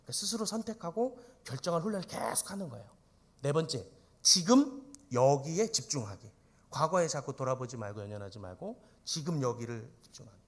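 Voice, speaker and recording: A man's voice: medium pitch, lively intonation, brisk. A male pastor preaching an emphatic sermon in church, often turning to the congregation with rhetorical questions.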